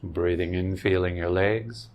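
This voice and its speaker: A man with a low voice guides a meditation in short, gentle phrases. He leaves long, unhurried pauses between instructions. There is clear ambient noise behind him. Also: fairly even intonation. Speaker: meditation teacher.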